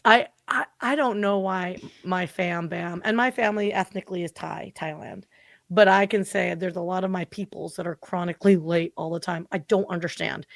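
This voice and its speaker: Podcast guest, woman, 40s; lowish voice, dry close sound, chatty and animated, heavy on fillers. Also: moderate pace, creaky, dry recording. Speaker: podcast guest, marketing consultant. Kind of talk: casual interview chat.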